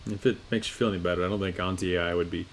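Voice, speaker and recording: A man's voice: low-pitched, steady tone, rapid-fire, slight background noise. A man playing a tabletop game, improvising casually in informal, sweary talk. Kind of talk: casual improvised role-play chat.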